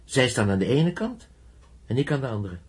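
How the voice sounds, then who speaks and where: An earnest young teacher and inventor played by a male actor in a radio drama. He is stubborn and idealistic, with a lonely streak. His delivery is deliberate and emphatic, with pitch that rises and falls dramatically. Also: very animated, lightly acted. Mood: earnest, wistful. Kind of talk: Dutch radio play acting.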